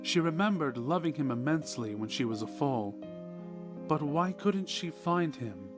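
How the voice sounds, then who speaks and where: A man reading a scripted horror story in a measured, deliberate way, with dramatic pauses. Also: fairly high pitch, animated. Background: background music.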